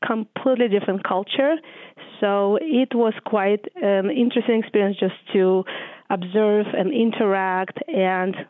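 A woman's voice: mid-range voice, no room sound, phone-quality sound. A woman in her forties with a Belarusian accent, speaking conversationally as a guest in a radio interview and recounting memories. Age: 40s.

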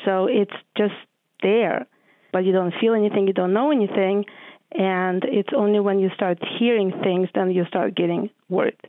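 A woman's voice: medium pitch, dry recording, narrow, tinny audio. A woman in her forties with a Belarusian accent, speaking conversationally as a guest in a radio interview and recounting memories. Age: 40s.

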